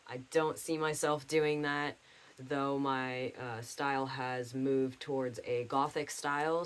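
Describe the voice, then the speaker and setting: A man's voice: mid-range voice, a bit bright. A young trans man chatting casually to camera from home, rambling with lots of fillers. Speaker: vlogger. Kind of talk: casual video diary.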